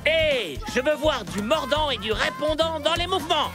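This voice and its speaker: A woman's voice: sits high, expressive, moderate pace, loud music behind the voice. A woman voicing an earnest, bossy little team captain in a cartoon, pompous and emphatic. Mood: commanding. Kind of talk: animated cartoon dub acting.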